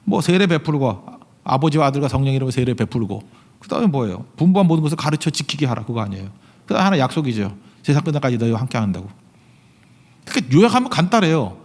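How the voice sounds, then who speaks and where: A man's voice: mid-range voice, very animated, fast, darkish tone. A middle-aged man preaching a sermon as pastor, emphatic and full of rhetorical questions to the congregation. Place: large church sanctuary. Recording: long reverb of a church hall.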